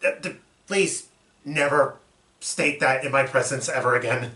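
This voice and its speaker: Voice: medium pitch, a little slow, pushed and bright, roomy sound, far from the mic. A performer voicing a blunt, irritated crew leader in an amateur fan film, scolding curtly with curses. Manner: curt, cursing scolding.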